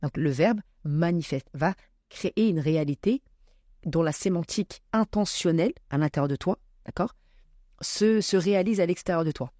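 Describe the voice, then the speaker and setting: Woman, podcast guest, warm mellow tone, dry close sound, thoughtful with many fillers. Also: fairly low pitch, normal speed, no echo. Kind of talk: reflective spiritual talk.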